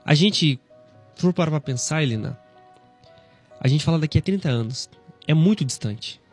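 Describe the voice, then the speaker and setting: A man in his thirties with a Brazilian Portuguese accent, hosting a devotional radio talk in a conversational, gently preaching way, often tagging lines with "né". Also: on the high side, lively intonation, normal speed, breathy edge, faint music behind. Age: 30s.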